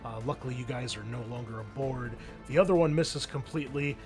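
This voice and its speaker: A man runs a tabletop roleplaying game as game master. His narration is casual and improvised, in a medium-pitched voice. Soft music plays behind him. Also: a little fast. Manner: casual, improvised scene description.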